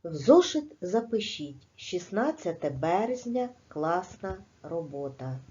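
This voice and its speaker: A woman teaching a primary school class in a recorded video lesson, explaining slowly and clearly with patience. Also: fairly low pitch, sing-song, dark tone, dull audio.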